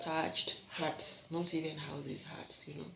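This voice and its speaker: The speaker has a Kenyan accent and fairly even intonation. Noticeable background noise and audible room echo fill the recording. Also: woman. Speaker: vlogger. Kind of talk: casual vlog monologue.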